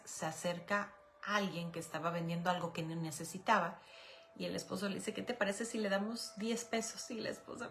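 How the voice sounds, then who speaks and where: A woman, her voice sitting a little low, joins the conversation as co-host. She listens with quick affirmations and then tells anecdotes of her own. A faint hiss of noise runs underneath. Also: fairly bright tone. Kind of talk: casual chat.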